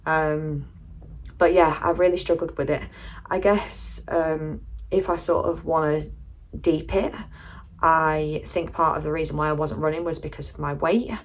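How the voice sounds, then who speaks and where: A woman's voice: sits low, fairly even intonation, measured pace, a little hiss or hum. A British woman chatting casually to camera as a vlogger, in a candid, rambling, slightly hesitant way. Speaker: running vlogger.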